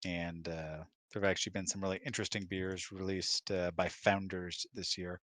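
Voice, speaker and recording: A man's voice: deep voice, flat delivery, normal speed, fairly bright tone, no room sound. A man chatting casually as a co-host, with dry, mock-serious humor. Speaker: co-host, guest husband. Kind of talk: casual chat.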